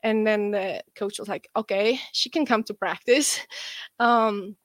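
A young woman with an Estonian accent, a guest athlete chatting in an interview, relaxed and rambling with many fillers. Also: medium pitch, unhurried, dry recording. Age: young adult. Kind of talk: casual interview chat.

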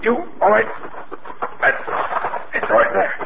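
An actor playing an urgent, excitable doctor in peril, in the exclamatory style of 1950s radio drama. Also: male voice, slow, lightly acted. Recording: narrow, noisy 1950 radio recording.

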